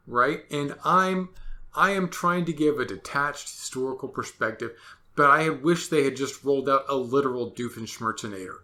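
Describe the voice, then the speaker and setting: A man's voice: medium pitch, bright, forceful tone. A man ranting sarcastically in a solo commentary monologue, exasperated and full of absurd comparisons. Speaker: podcast host.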